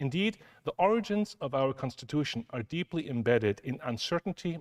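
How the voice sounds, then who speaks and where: A man with a German accent talks at a fairly quick pace, his pitch swinging very widely. The sound is dry and close, with no echo. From Germany. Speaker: history professor. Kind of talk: lecture.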